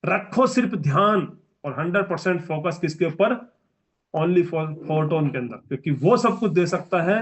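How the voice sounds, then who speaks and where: A man's voice: a little high, expressive, normal speed. A man in his forties giving a motivational business training speech, emphatic and repetitive as he exhorts the audience. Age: 40s.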